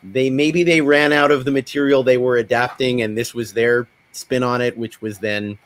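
A man's voice: mid-range voice, little pitch movement, moderate pace, fairly bright tone, dry recording. Man chatting in a dry-sounding space. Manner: digressive, anecdote-telling. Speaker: podcast host. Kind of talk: casual conversational chat.

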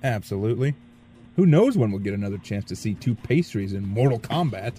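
A man's voice: on the low side, animated, a little fast, warm tone, lightly acted. A man playing a wry, self-deprecating office coworker in an audio drama.

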